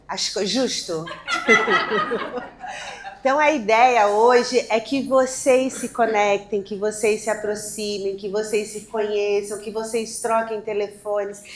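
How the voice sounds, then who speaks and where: A woman hosting a live event, talking to the audience in an energetic, quick and restless way. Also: a little high. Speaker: event host. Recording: echoey room, faint noise.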